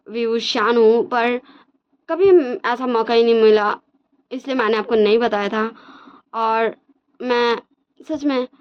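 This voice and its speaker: A woman voicing a hurt young male student who apologizes in soft, halting speech. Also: fairly high pitch, clear, resonant tone, lightly acted. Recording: dull lo-fi recording.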